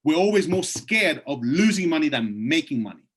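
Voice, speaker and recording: A man hosting a live presentation on a video call, reading out questions from the chat and answering them in a persuasive, urging way, with his voice going hoarse. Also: on the high side, very animated, normal speed, fairly bright tone. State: losing his voice.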